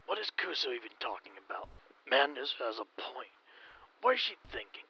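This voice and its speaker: A man's voice: medium pitch, sing-song, normal speed, creaky. A man acting as a troubled wrestler muttering to himself in an audio skit. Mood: puzzled, irritated. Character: troubled male wrestler brooding alone. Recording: muffled, faintly noisy audio clip.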